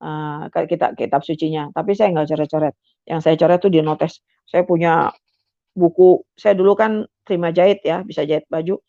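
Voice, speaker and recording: A woman's voice: sits low, moderate pace, dark tone, dry recording, lo-fi sound. An older woman telling her life story as a guest, chatty, with many fillers, acting out the dialogue she remembers. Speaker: guest giving a conversion testimony. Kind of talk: personal testimony storytelling.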